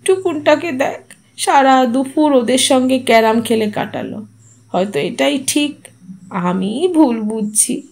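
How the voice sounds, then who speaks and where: Quiet resigned old mum, as a woman reads her, soft and slow. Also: high voice, vocal fry. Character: weary grieving widowed mother, older woman.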